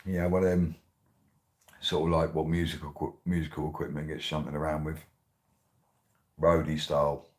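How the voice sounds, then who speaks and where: A man, hosting his radio show in a rambling, excitable way, laughing often. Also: rumbling low, moderate pace, long pauses. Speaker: radio host. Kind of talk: casual monologue.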